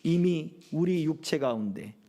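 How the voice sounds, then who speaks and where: A man's voice: on the high side, expressive, a little slow, warm tone. A middle-aged male pastor preaching a sermon at a church service, often asking the congregation rhetorical questions.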